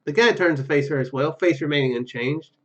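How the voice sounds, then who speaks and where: A male gaming host with a fairly high voice. He reads story text aloud and adds his own commentary. The recording is slightly dull and muffled. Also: brisk, fairly bright tone. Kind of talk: let's play commentary, reading game text aloud.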